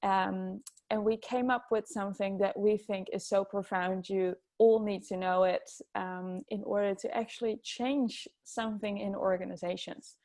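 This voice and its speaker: A woman's voice: mid-range voice, steady tone, normal speed, darkish tone. A woman with a Dutch accent, an agile coach giving an upbeat webinar talk over a video call, with many ums and uhs. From Netherlands. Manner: frequent ums, upbeat and eager. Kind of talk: webinar presentation.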